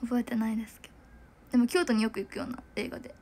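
A woman's voice: on the high side, flat delivery, racing, warm tone. A young woman chatting casually to viewers on a livestream, giggling and rambling with lots of fillers. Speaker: idol livestreamer.

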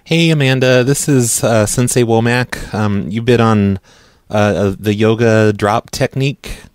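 A man prank calling a stranger, stammering and halting in a mock-earnest tone, heard close on his own mic. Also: medium pitch. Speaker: prank caller. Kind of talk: prank phone call.

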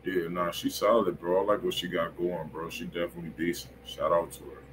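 A man's voice: sits low, level tone, a little fast, a bit bright, low-quality recording. Chill guy co-hosting, short slangy reactions, bit of hiss behind him. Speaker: co-host on the stream. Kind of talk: casual chat.

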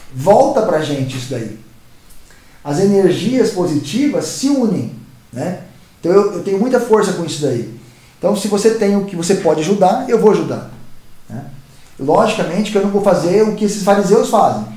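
A Brazilian man hosts his own channel and tells stories in a loose, rambling monologue, often stumbling and repeating himself. His voice sits high for a man. The sound carries a noticeable room echo. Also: mellow. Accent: Brazilian Portuguese. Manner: rambling, repeats and restarts words, talks straight to viewers. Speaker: YouTube channel host. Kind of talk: casual storytelling monologue. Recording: roomy echoey sound.

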